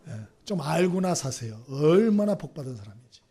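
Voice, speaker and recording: Husky pastor preaching to his flock. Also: a little high, sing-song, normal speed. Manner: asks the congregation questions, then answers in soft whispered repeats. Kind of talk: Sunday sermon.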